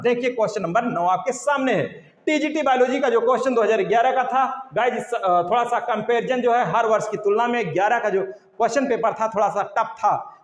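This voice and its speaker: Male teacher, high pitch, repetitive drilling delivery, echoey hall sound. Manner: repetitive, drilling questions, says "guys" often. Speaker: biology teacher. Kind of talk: exam-prep lecture. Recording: echoey room with long reverb.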